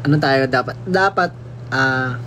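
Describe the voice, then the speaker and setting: Bright and forceful in tone, a young man's mid-range voice moves at a measured pace as he hosts a casual livestream with a Filipino accent. He reads comments, playfully teases fans and mixes Tagalog with English, over slight background noise.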